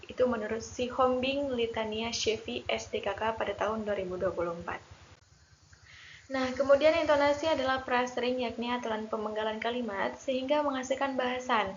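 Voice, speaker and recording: Higher-voiced young woman reading a class talk. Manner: steady, formal reading with Islamic greeting, pauses on citations. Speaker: student presenter. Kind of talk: reading a class presentation from slides. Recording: lo-fi with faint hiss.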